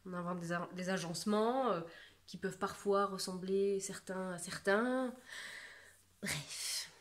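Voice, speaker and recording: A woman's voice: medium pitch, a little slow. A woman in her thirties from France, chatting casually to camera about her knitting, rambling and self-mocking with lots of fillers. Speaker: knitting vlogger.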